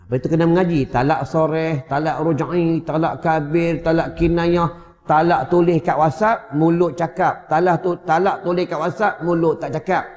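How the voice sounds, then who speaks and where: A man with a Malaysian Malay accent giving a religious lecture in a prayer hall, conversational and joking, at times chanting drawn-out prayers. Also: on the high side, steady tone, a little mellow. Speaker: religious teacher. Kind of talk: mosque lecture. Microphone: wireless mic. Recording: echoey hall, dull sound.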